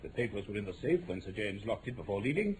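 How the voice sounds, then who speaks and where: Upper-class english govt official, lowish voice, weighty n emphatic, old radio drama, bit of hiss. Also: male voice, big pitch swings, fast, darkish tone, low-quality recording. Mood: grave, precise. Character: grave, precise, commanding upper-class English government official. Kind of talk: 1940s radio drama acting. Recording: old radio broadcast, faint noise.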